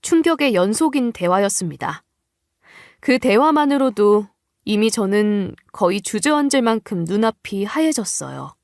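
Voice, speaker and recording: A woman's voice: mid-range voice, very animated, moderate pace, darkish tone, no room sound, studio quality. A woman delivering scripted, first-person dramatic narration as a storyteller.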